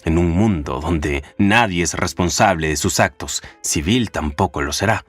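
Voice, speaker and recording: Deep-voiced man narrating a book summary. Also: measured pace, no echo, faint music behind.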